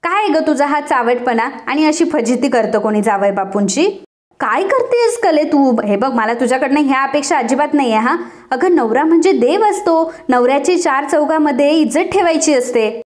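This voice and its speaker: A woman's voice: high-pitched, lively intonation, moderate pace, darkish tone. A woman voicing a stern traditional mother who scolds her daughter, in a serial recap. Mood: scolding.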